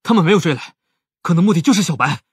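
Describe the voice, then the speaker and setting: Alert young detective, put on by a male narrator: raspy, hurried, animated swings, urgent. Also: on the high side, no room sound, clean studio sound, pitched above the performer's own voice.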